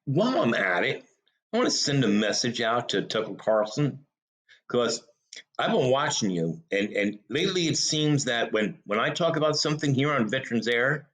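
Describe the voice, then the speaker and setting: A man's voice: mid-range voice, fairly bright tone, low-quality recording. A man hosting a talk show, giving opinionated commentary in an emphatic way with rhetorical questions and short, punchy repeats.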